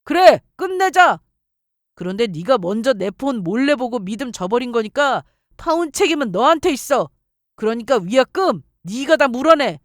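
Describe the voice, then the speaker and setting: A woman's voice: on the high side, animated, moderate pace, dry recording, clean studio sound, close to an everyday voice. A woman voicing an indignant young fiancé. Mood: angry. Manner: indignant, argumentative. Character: young adult man, defensive hot-tempered fiancé.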